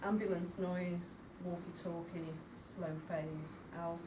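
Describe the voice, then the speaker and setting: A woman with a lowish voice reads a draft script aloud, matter-of-fact as she gives lines and cues. She sits away from the mic, with clear room noise. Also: level tone, slow pace. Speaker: writing workshop participant reading out a script. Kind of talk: informal read-through of a draft radio drama. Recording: distant mic in a noisy room.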